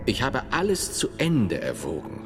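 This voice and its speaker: An actor playing a stern medieval monk and thinker in a radio drama, speaking in a solemn, precise, pedantic way. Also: male voice, medium pitch, huge pitch swings, moderate pace. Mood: deliberate. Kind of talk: theatrical radio drama acting. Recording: long reverberant hall, music underneath.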